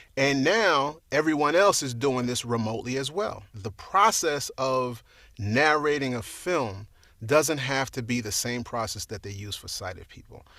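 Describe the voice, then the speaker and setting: A man with a New York accent speaks at a fairly slow pace, his medium pitch carried by lively intonation. His tone is bright and sharp, and his loudness swings widely. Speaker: audio description narrator and advocate. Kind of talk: interview conversation. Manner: casual, conversational.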